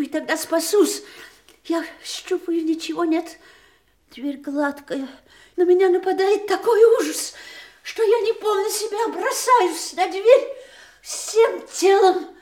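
An actress playing a troubled, polite woman in an audio drama, speaking in a deliberate, expressive storytelling manner. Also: extremely high pitch. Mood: rising dread. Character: troubled, polite woman recounting a frightening dream. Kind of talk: audio stage drama, theatrical monologue.

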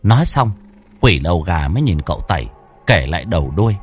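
A man telling a ghost story with drama and colour, his husky voice moving in lively rises and falls. Faint music plays under the telling. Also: sits low, a little fast. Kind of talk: scripted ghost story narration.

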